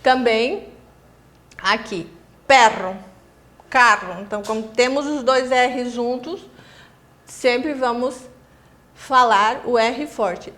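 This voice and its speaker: A woman's voice: a little high, takes it slowly, long pauses, a bit bright. A Brazilian woman teaching a recorded Spanish lesson, explaining pronunciation with many fillers and restarts. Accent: Brazilian Portuguese. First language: Portuguese. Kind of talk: distance-learning lesson.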